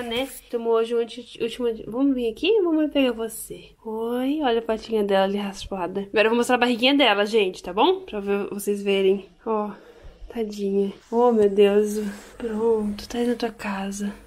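A woman's voice: mid-range voice, a little hiss or hum. A woman chatting in a casual home vlog about her pets, talking affectionately to them in a cooing voice. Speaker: pet vlogger.

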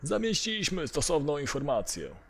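A man's voice: on the high side, wildly swooping pitch, normal speed, slightly rough, pitched above the performer's own voice, full character voice. A man narrating a horror story, voicing an apologetic, resigned museum janitor in his thirties. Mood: regretful.

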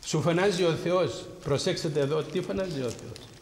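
A man's voice: a little high, slight background noise. A man, a priest, giving a spiritual talk to a congregation and asking them rhetorical questions. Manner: preaching with rhetorical questions to the audience. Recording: roomy hall with long echo.

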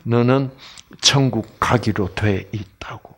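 A man's voice: medium pitch, fairly bright tone, breathy edge. A middle-aged man from Korea giving a health lecture that turns to faith, asking his audience questions and answering them himself, often dropping to a near whisper. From South Korea. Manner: slow and drawn-out, many fillers, drops to a near whisper at key points. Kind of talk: health lecture with sermon-like passages.

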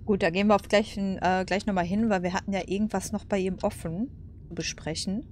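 A woman's voice: mid-range voice, steady tone, fairly quick, slight background noise. A woman commenting casually on a game, blunt and colloquial, thinking aloud as she plays. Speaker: let's play host. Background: video game ambience.

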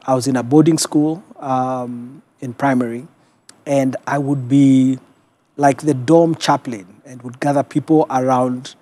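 A middle-aged man with a Kenyan accent, a pastor talking reflectively and in a measured way as an interview guest. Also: medium pitch, fairly even intonation, dark tone, no room sound. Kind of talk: conversational television interview, personal storytelling. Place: television studio. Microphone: lapel mic.

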